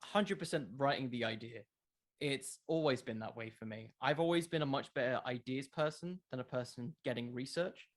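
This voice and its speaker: Chatting about wrestling fiction in a relaxed interview, this man speaks with a medium pitch at a moderate pace. A podcast creator appearing as a guest, he thinks out loud and repeats words while answering.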